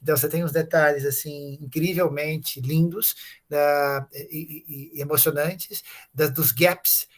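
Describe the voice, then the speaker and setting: A man's voice: fairly high pitch, steady tone, a little slow. A man with a Brazilian Portuguese accent, a professor giving a conference lecture in an explanatory way, with many fillers and tag questions. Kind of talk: academic lecture, unscripted.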